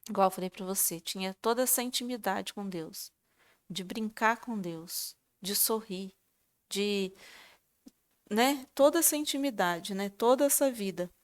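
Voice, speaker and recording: A woman chatting casually about her faith, laughing at herself and filling pauses with short tags. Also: medium pitch. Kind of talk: religious reflection, casual sharing.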